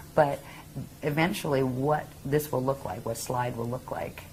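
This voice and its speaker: Here a woman speaks with an American accent. Her pitch is very deep and low, with ordinary pitch variation. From US Northeast (Pennsylvania, New York). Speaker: spiritual teacher. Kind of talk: interview. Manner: fast.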